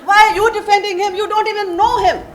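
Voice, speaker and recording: A woman's voice: extremely high pitch, steady tone, fast talker, crowd noise. A woman in a staged comic play reading, playing a prickly jilted office worker who tries to keep order, exasperated and emphatic. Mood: indignant. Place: live stage at a literature festival.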